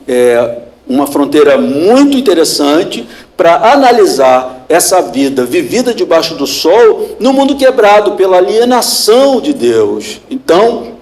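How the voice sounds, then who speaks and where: A man from Brazil, a pastor, preaching a sermon slowly and deliberately, repeating phrases and asking rhetorical questions. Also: fairly high pitch, a little mellow. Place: church hall. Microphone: handheld or stand mic with feedback.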